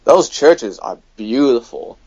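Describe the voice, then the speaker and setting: A man's voice: mid-range voice, animated, slow pace, darkish tone, slightly rough, dry recording. A man from the United States, a guest in a casual conversation, who talks hesitantly with many fillers and gives blunt opinions. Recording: dull, dry lo-fi sound.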